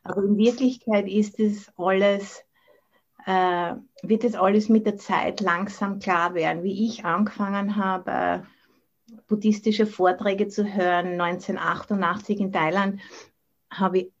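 The audio is dull and band-limited, like a video call. A woman with an Austrian German accent speaks at a medium pitch, teaching in an informal dharma talk. She slips English words in among the German. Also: steady tone, measured pace. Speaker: Buddhist nun and meditation teacher. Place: online video call from the monastery.

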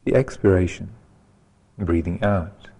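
This guided meditation comes from a man with a low-pitched voice and some vocal fry. He is calm, gentle and unhurried, with long gaps between phrases.

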